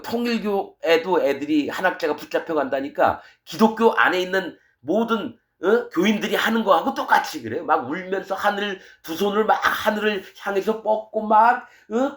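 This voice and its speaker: Fiery, scolding male preacher. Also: high-pitched. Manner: fiery, scolding, swings between loud bursts and quiet asides. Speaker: pastor. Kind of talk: sermon.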